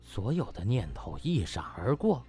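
A man's voice: mid-range voice, big pitch swings, moderate pace, mellow, slightly rough, faint music behind. A man narrating a comic audiobook in a colloquial, theatrical and mocking storytelling manner.

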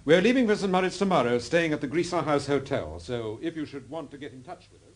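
An actor with a British accent playing a calm, protective gentleman detective in a radio mystery drama. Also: on the high side, fast talker. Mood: calm, courteous.

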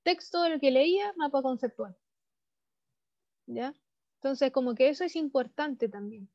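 A woman's voice: high-pitched, a little slow. A young woman with a Chilean accent teaching an online class, explaining steadily and checking in with frequent tag questions. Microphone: video call. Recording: dull lo-fi video call audio.

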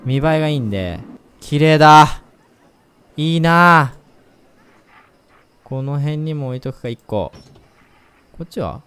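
A man giving let's play commentary, chatty and excitable, talking straight to his viewers and breaking into loud whoops. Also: fairly high pitch, a little slow, long pauses, smooth. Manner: chatty, speaks to viewers directly. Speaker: game commentator.

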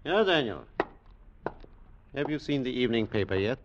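An actor playing a grave, world-weary older German scientist in a 1940s radio drama, speaking deliberately. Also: male voice, mid-range voice, big pitch swings, noisy background, close to an everyday voice. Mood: troubled, wry. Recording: muffled 1940s radio broadcast.

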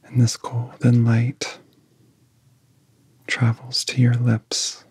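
A man guiding a relaxation in soft-spoken ASMR style, with a soft, whispery voice and gentle, soothing phrasing broken by long pauses. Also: mid-range voice, completely flat delivery, no echo. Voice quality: soft, breathy, often whispery. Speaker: ASMR hypnosis guide.

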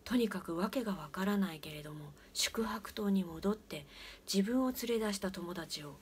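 A woman telling a ghost story in a hushed, often whispered voice. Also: medium pitch, moderate pace, slight background noise.

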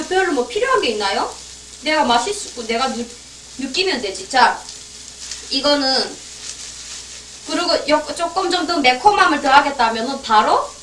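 A woman's voice: sits high, fairly bright tone, far from the mic, slight background noise. Chatty woman cooking in an echoey kitchen. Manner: playful, talks to herself while cooking, giggly. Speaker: cooking vlogger. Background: frying and sizzling food.

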